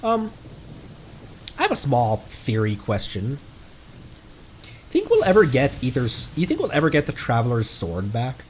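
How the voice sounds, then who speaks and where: A man doing casual live gaming commentary as a streamer, talking in an excitable, rambling way. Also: medium pitch, unhurried, pauses often, a little hiss or hum. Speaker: game streamer.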